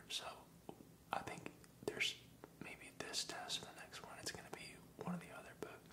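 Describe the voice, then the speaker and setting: A soft-spoken man whispers at a fairly quick pace. Loud background noise fills the recording. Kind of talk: soft-spoken roleplay chat to viewer. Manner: soft confiding ASMR whisper. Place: studio.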